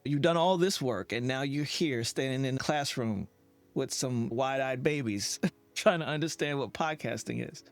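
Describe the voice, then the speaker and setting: A man's voice: medium pitch, normal speed, soft background music. A man hosting a conversational podcast interview in an earnest, affirming manner.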